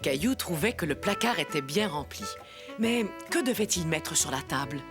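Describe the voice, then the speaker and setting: A woman playing a kindly storyteller, narrating a children's cartoon in a gentle, expressive way. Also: low-pitched, normal speed. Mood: gently narrating. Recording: music behind the voice.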